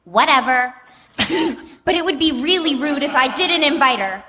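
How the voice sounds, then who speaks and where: A woman playing an excitable, gushing wife in a comic radio play, with theatrical delivery. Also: sits high, moderate pace. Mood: chatty, teasing. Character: excited, gushing wife off to renew wedding vows. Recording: reverberant live theater stage, faint noise.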